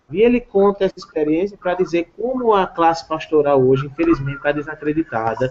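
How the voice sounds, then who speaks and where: Speaking in a northeastern Brazilian accent, a man with a high pitch talks at a fairly quick pace with hardly any pauses, lively intonation and very even loudness. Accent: Brazilian Northeast accent, proud of it. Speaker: pastor and theology teacher. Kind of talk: casual chat. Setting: live video call.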